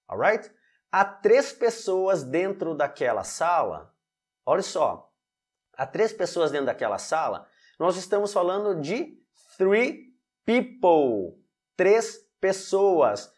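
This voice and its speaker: A Brazilian man teaching English grammar in an online lesson, often checking in with "alright?" and repeating example sentences slowly. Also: on the high side. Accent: Brazilian Portuguese.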